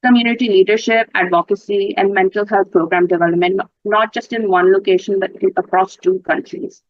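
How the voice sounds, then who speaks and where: A woman's voice: medium pitch, steady tone, a little fast, no room sound. A woman from Pakistan, a native Urdu speaker, presenting mental health research at a conference in an explanatory way. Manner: explanatory, clarifies terms, occasional fillers. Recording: dull lo-fi dry sound.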